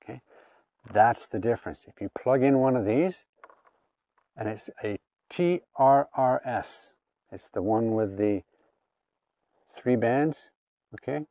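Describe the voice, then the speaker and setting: A man's voice: medium pitch, animated, takes it slowly, long pauses, no room sound. Man on thin, distant-sounding audio. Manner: informal, talking through each step aloud. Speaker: gadget reviewer. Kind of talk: casual hands-on product demonstration. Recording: phone-like, thin sound, off the mic.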